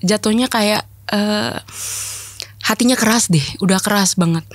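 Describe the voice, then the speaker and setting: A young adult woman candidly telling a personal testimony to an interviewer, in a frank, unhurried way. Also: mid-range voice, dry recording. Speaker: guest sharing a personal testimony. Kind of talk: candid conversational storytelling.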